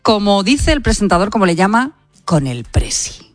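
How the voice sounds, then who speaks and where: A woman chats in a lively, easy way, laughing often as she runs through the news. Her voice sits in the middle range, with faint music under the talk. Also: mid-range voice, normal speed. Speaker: radio contributor. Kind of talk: radio chat.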